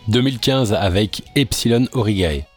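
A male interviewer with a very deep, low voice moves the conversation along with short prompts. His lines are brief and to the point. Faint music sits in the background. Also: moderate pace, breathy edge. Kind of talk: interview questions.

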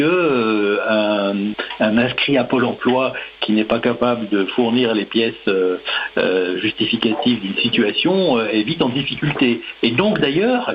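A man's voice: medium pitch, slight background noise. Hesitant man with a dull line. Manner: hesitant, many fillers and restarts. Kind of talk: radio discussion.

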